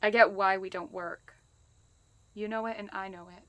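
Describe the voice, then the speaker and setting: A woman's voice: medium pitch, steady tone, normal speed, a bit bright, dry recording, natural voice. A woman playing an anguished, sardonic wartime spy in love, in an emotional audio drama with a bitter, wry edge. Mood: sad, resigned.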